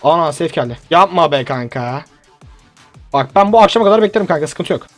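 Young male gaming streamer, excitable and joking, fairly high voice, gunfire and soft music underneath. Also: brisk. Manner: excitable, joking, talks to teammates and viewers. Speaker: gaming YouTuber. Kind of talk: live mobile game commentary. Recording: game sounds and music behind.

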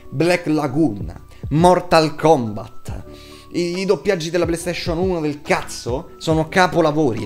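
Blunt young man reviewing, music behind. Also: mid-range voice. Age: 20s. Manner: blunt, foul-mouthed, emphatic. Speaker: video reviewer. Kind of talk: casual opinionated review to camera. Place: small room at home, indoors.

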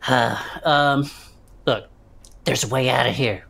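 A woman's voice: extremely low pitch, slow, creaky, fairly bright tone, full character voice. A woman voicing an easygoing male adventurer with slangy, laid-back talk, in an audio drama.

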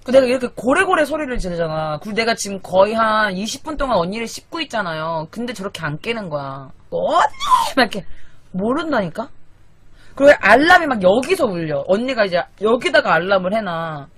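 Animated young Korean woman venting. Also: mid-range voice, brisk, a little hiss or hum. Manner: animated, exasperated, swears casually. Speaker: live streamer. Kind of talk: casual late-night venting chat. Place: small apartment at night, sister asleep in the loft. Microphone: desk microphone.

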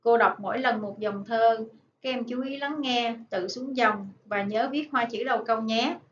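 Woman, primary teacher dictating to young pupils word by word; high voice, dull echoey recording. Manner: dictating, deliberate, enunciating word by word. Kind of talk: slow dictation-style lesson for children. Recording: echoey room, dull sound, faint noise.

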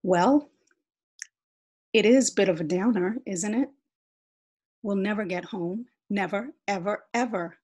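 A woman doing a toneless, deadpan teenage boy. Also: medium pitch, a little slow, pauses often, slightly rough. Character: gloomy deadpan teenage boy, the girl's brother.

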